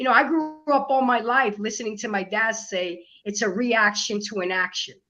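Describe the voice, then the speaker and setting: This woman has a New York accent and a fairly high pitch. She talks at a moderate pace with ordinary pitch variation. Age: 40s. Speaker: live stream host. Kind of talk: casual live-stream talk. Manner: animated.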